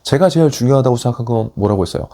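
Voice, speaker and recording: Lively, urging male job coach. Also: medium pitch, very fast. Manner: emphatic, urging, switches to blunt casual speech. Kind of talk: online lecture.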